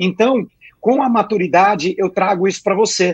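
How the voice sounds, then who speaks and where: A man speaks in a high pitch at a moderate pace. His pitch variation is ordinary. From Brazil. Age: 50s. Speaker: motivational speaker. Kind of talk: interview.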